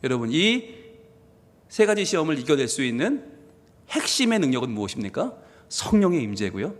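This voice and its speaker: A male pastor preaching a sermon, emphatic and lively, leading the congregation to read scripture aloud. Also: medium pitch, moderate pace. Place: church sanctuary. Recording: long hall reverb.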